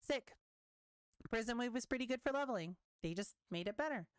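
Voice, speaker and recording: A young woman giving casual commentary while reading patch notes, chatty and quick to react, swearing now and then, her voice wearing thin. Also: a little high, animated, clear, resonant tone, dry recording. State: losing her voice. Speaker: gaming content creator.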